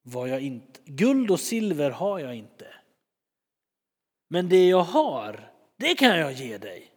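Imagine a man acting out a calm, earnest apostle addressing a crowd, slow and deliberate. His voice sits fairly high, and a long hall reverb trails each phrase.

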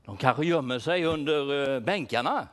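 A man's voice: mid-range voice, natural voice. A man playing a worried shepherd who searches for his lost sheep, speaking with children in a church and asking them to help him look and call out names. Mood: searching, playful. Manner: animated, asks children questions, calls out names. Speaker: children's talk leader. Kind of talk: playful role-play for children.

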